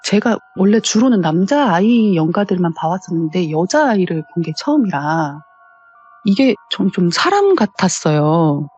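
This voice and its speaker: A woman's voice: lowish voice, big pitch swings, normal speed, darkish tone, husky, muffled recording. A woman politely telling her own ghost story in a conversational, explanatory way. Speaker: caller telling a personal story. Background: background music.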